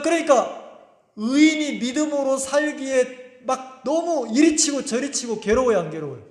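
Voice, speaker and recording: A male pastor preaching a sermon emphatically, firing rhetorical questions at the congregation. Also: very high-pitched. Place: church sanctuary. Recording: echoey church hall with long reverb.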